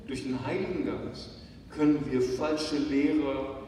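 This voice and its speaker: A man preaching a sermon as pastor, emphatic, swinging between quiet and loud. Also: medium pitch, steady tone, takes it slowly. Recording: echoey hall, distant mic, faint noise.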